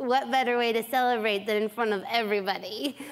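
Moderately paced, high-pitched female speech against noticeable background noise. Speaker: comedian. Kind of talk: stand-up comedy performance. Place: stage. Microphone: lapel.

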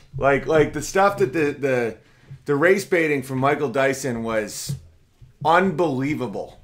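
Speaking at a fairly slow pace, a man with a fairly high pitch shows ordinary pitch variation. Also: quiet background. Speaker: comedian and pianist hosting a live stream. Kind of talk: casual live-stream chat with commentary. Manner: animated. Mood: opinionated, fairly calm. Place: home room. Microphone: webcam.

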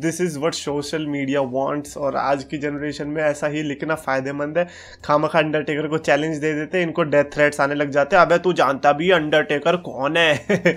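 A man with a fairly high pitch and an ordinary speaking voice talks with hardly any pauses. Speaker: wrestling commentary YouTuber. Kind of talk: casual vlog commentary.

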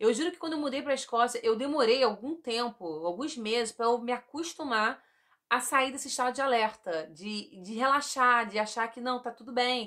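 A woman with a Rio de Janeiro accent, a bright, sharp tone and high pitch, ordinary pitch variation, big swings in loudness and a moderate pace, over a quiet background. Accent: Brazilian Portuguese, carioca. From Brazil, Rio de Janeiro. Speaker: YouTuber. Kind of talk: casual chat. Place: home room. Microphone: phone near.

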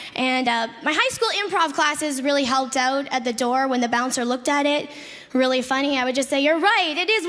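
Faint music plays in the background as a woman speaks at a fairly quick pace in a high pitch. Her loudness stays very even, with ordinary pitch variation. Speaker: comedian. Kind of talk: stand-up. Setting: stage with audience. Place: stage. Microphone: handheld.

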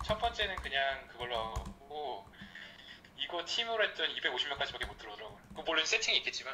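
A man's fairly high voice with very wide pitch swings over light background noise. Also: fairly quick pace. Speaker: architect. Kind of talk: casual chat. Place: home room. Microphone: headset.

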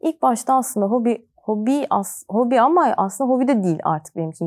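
A woman speaks at a fairly high pitch. Her voice moves through very wide pitch swings. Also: quiet background. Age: 30s. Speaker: mobile app business developer and travel blogger; interview guest. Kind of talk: interview. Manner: hesitant, many filler sounds. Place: studio.

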